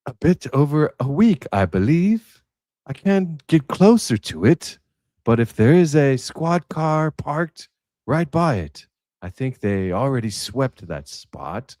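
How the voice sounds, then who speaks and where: A man reading out the part of an anxious young man confessing, in a halting, theatrical script read. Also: mid-range voice, sing-song, warm tone, no room sound, clean studio sound. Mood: worried, brooding. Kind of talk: mock-dramatic script reading.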